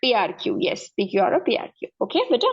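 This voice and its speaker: A husky, mid-range female voice, very animated and fast, comes through a muffled recording. She has a South Asian accent and tutors maths one-to-one, encouraging the student and frequently checking they understand.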